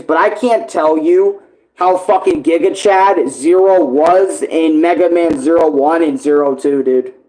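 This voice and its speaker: A young man chatting casually on a livestream, rambling and swearing with enthusiasm, his voice hoarse and worn. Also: on the high side, darkish tone, rough recording. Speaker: streamer ranking games. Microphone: tablet camera.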